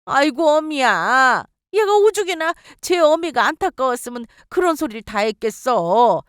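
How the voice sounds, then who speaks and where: A woman's voice: high-pitched, sing-song, moderate pace, a bit bright, clear, resonant tone, dry recording, studio quality, voice pushed up. A woman voicing an older mother-in-law who pleads and apologizes in a whiny, wailing way. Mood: placating.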